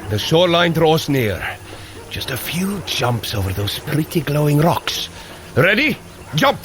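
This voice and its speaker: A hearty thunder god in an audio adventure drama. His voice sits on the high side and swings widely as he issues orders in grand, old-fashioned heroic language. Clear sound effects of the scene run behind him. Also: very animated, a little slow, noisy background. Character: hearty, commanding Norse thunder god warrior. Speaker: voice actor. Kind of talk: audio adventure drama acting for a fitness running app.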